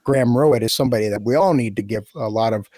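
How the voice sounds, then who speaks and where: A man's voice: mid-range voice, fast, darkish tone, dry recording. Effusive man chatting, close dry sound. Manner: effusive, informal, full of praise. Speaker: podcast team member and story creator. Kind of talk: enthusiastic casual chat.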